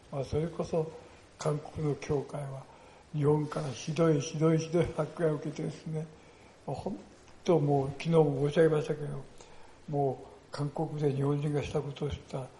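An older male pastor preaches in a somewhat high but mellow, gravelly voice. His delivery is earnest and storytelling, with small emphatic fillers throughout. The sound carries the echo of a church hall. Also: a little hiss or hum. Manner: earnest storytelling, peppers phrases with "desune". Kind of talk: sermon.

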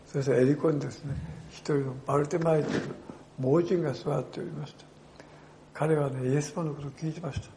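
A male pastor preaching a sermon in a storytelling way, dropping to near-hushed asides and then rising to loud emphasis. His voice sits a little high and has a gravelly, fried edge. A faint hiss of noise lies under the recording. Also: steady tone, fairly quick.

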